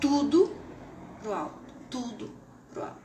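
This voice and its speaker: Animated in tone, a woman speaks at a fairly slow pace. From southern Brazil (Rio Grande do Sul). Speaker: therapist and productivity coach for mothers. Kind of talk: live stream motivational talk.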